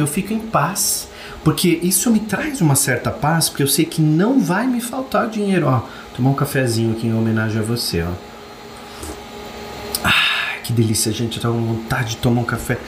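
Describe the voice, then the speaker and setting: A man with a Brazilian Portuguese accent hosting a casual motivational talk. He jumps up in pitch when mimicking complainers and searches for words with chatty fillers. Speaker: host. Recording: roomy echo with faint background noise.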